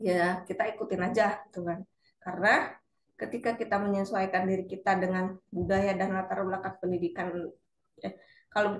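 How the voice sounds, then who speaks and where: A woman with a somewhat breathy voice at a medium pitch talks at a fairly quick pace. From Sumatra, Indonesia. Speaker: civil servant presenting a book review. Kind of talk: book review presentation. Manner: casual, with fillers.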